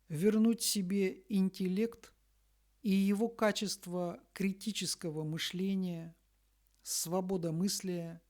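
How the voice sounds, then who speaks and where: Slow, solemn woman reading scripture-like text. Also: fairly low pitch, darkish tone. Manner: measured, deliberate, with long pauses between short phrases. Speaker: spiritual messenger reading a message.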